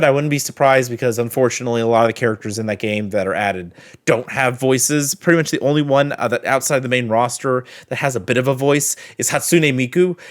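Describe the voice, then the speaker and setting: A man with a chatty, expressive manner hosting a reaction video and giving casual commentary and review. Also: mid-range voice.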